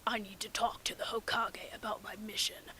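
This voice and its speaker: A woman voicing a calm, secretive male ninja teacher in a breathy, measured hush for a mocking fan fiction reading. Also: medium pitch, natural voice. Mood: hushed, serious. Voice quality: breathy, whispery. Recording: background static on amateur microphone.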